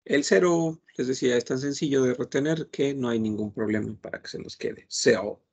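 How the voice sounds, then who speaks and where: A man's voice: mid-range voice, normal speed, darkish tone, slightly rough. A man teaching a French class online, patient and repeating words as he explains.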